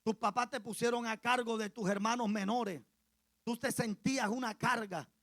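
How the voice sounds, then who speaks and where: A male pastor with a Colombian Caribbean accent preaches a sermon as a story, repeating phrases for emphasis and swinging from soft asides to loud cries. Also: extremely high pitch, fairly even intonation, moderate pace, no echo. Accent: Colombian Caribbean Spanish.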